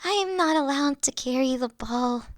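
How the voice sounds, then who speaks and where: A woman's voice: high-pitched, normal speed, no room sound, clean studio sound, lightly acted. A woman playing a huge, friendly, nerdy young dragon college student in a roleplay audio drama, talking in a bubbly, awkward, hesitant way. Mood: self-conscious.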